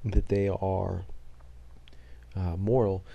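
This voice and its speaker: The voice is somewhat breathy, with a dark, mellow tone. Its intonation stays fairly even. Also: man. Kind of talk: casual talk to camera. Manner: rambling, hesitant.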